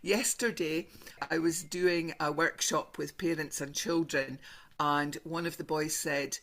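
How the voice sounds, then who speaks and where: Northeast Scots storyteller in her sixties, low gravelly voice, unhurried. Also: fairly even intonation, a bit bright, slight background noise. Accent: Northeast Scots (Doric). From northeast Scotland. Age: 60s. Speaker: storyteller guest. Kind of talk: casual interview talk.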